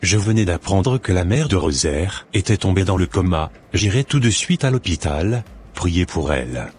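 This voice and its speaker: A man's voice: low voice, very animated, normal speed, darkish tone, slight background noise. A man voicing a solemn, devout Christian in a cartoon, speaking in a formal, pious way. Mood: concerned. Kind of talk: scripted amateur Christian cartoon dialogue. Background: faint music.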